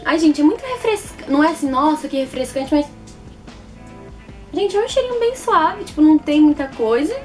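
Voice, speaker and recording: Faint music sits behind a Brazilian-accented woman in her twenties as she casually reviews beauty products to camera at normal speed. Her high voice is expressive and she repeats words for emphasis, all from a small, plain indoor room.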